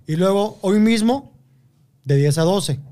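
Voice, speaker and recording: A man's voice: high voice, animated, measured pace, mellow. A man, arguing stubbornly in crude casual banter.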